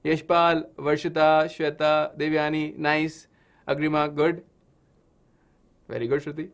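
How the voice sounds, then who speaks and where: A man's voice: on the high side, little pitch movement, a little slow. A man with an Indian accent and Hindi as his native language, teaching children science in a dramatic storytelling way with frequent check-in questions. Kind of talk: animated online lesson for children.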